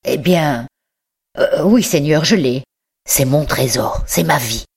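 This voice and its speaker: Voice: mid-range voice, slow pace, gravelly, breathy edge, heavily acted. A reader voicing Giacomo, the old miserly bookseller. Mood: guarded. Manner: stammering, pleading, proud of his books. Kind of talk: audiobook character reading.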